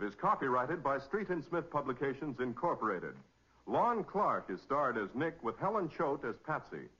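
Animated 1940s American radio announcer, muffled recording. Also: male voice, on the high side, breathy edge. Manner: emphatic, polished salesmanship.

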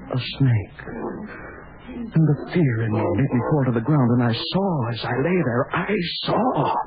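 A man's voice: medium pitch, close to an everyday voice. An actor playing a brusque man who turns anguished and breathless with horror and grief, in 1940s radio acting. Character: gruff, impatient man driven to horror and grief. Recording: scratchy tinny old radio broadcast.

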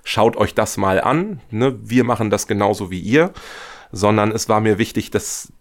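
A man's voice: on the low side, moderate pace. A young man being interviewed about his audio drama, speaking in a reflective, earnest way. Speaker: guest, audio drama author. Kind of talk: podcast interview.

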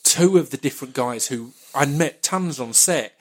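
A man's voice: mid-range voice, animated, normal speed. A man with an Essex accent chatting casually as a podcast host, often repeating words as he gets his thoughts out. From Essex, England. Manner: stammering repetition of words as he talks.

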